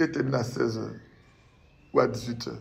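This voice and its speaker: A man's fairly quick speech with vocal fry and audible room echo. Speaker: preacher. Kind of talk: prayer; sermon.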